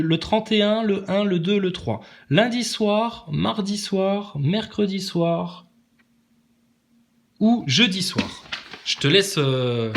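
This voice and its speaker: A man's voice: fairly high pitch, a bit bright. A man giving a sarcastic, emphatic monologue to camera, challenging his critics. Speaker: online video maker answering critics.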